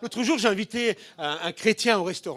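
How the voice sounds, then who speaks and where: At a moderate pace, a man projects an extremely high, bright, sharp voice in an animated tone. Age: 60s. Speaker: pastor. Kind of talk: sermon.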